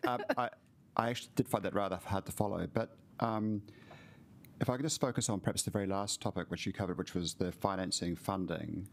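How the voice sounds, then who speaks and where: A man's voice: sits low, steady tone, brisk, creaky. A man, a councillor in a formal meeting, blunt and pressing for specifics.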